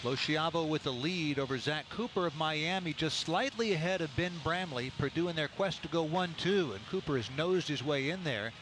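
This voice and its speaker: Over the noise of an indoor sports venue, a man calls live play-by-play, laying out standings and scores in a factual announcer's style. His voice is a little high, his pace moderate, and he barely pauses.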